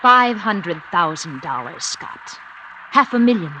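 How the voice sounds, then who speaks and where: A woman's voice: fairly low pitch, animated, slow pace. An actress playing a coldly ambitious, seductive woman in a 1950s radio drama, talking in an insistent, coaxing way. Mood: scheming. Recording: old radio broadcast with faint hiss.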